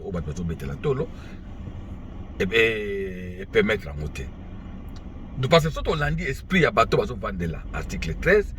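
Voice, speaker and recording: Low, lively man arguing a point. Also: slight background noise. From Congo (DRC). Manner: argumentative, explaining step by step, repeats "donc". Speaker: political commentator. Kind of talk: casual opinion monologue.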